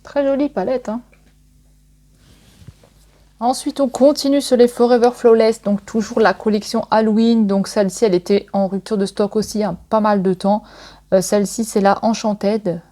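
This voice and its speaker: A woman's voice: medium pitch, steady tone, moderate pace, mellow. A woman casually showing makeup palettes in a haul video, talking in a chatty way full of little fillers. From France. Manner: chatty, frequent "hein" and "donc voilà" fillers. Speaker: beauty vlogger.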